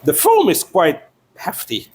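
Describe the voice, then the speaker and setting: Slow-paced, jokey male vlogger. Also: high voice, wildly swooping pitch, darkish tone, slightly rough. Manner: jokey, sweary, playful asides. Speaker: vlogger unboxing a product. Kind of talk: casual unscripted chat.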